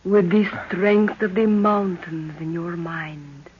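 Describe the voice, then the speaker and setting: A woman's voice: lowish voice, slow pace. An actress playing a commanding tribal witch woman in a 1930s radio serial, speaking in formal, incantatory phrases. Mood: hypnotic, commanding. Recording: muffled, noisy 1930s radio recording.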